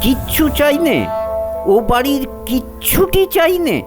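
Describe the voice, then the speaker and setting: An actor playing a dazed, broken old uncle who pleads meekly in an audio story drama. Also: male voice, extremely high pitch, big pitch swings, takes it slowly, heavily acted. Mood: bewildered. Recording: echoey reverb, clear music behind.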